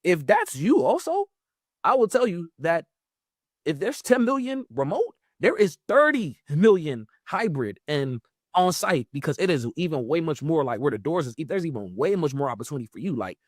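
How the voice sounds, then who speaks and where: A man in his twenties, talking in a rambling, casual way, leaning on "like" with lively jumps in pitch. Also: normal speed, dry recording, clean studio sound. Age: 20s. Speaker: guest. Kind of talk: casual interview chat.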